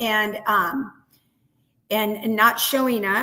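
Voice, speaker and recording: A normal speaking voice from a woman, fairly high in pitch, with ordinary pitch variation. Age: 60s. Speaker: mortgage company executive. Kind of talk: interview.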